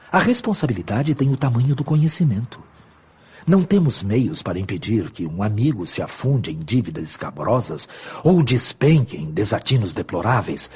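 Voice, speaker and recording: An actor playing a wise, benevolent spiritual mentor in a radio drama, speaking in a measured, formal, teaching manner. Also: male voice, lowish voice, a little mellow, breathy edge, highs cut off, full character voice.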